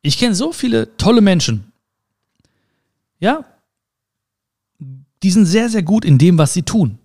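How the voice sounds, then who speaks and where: Animated man giving a pep talk. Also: sits high, measured pace, gravelly. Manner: animated, addresses listener directly with rhetorical questions; playful sound words and self-talk. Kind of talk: motivational monologue.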